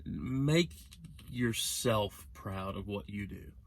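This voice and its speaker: A young adult man vlogs about truck driving in a slow, lowish voice on a dry recording. His casual monologue rambles as he corrects himself while offering earnest advice.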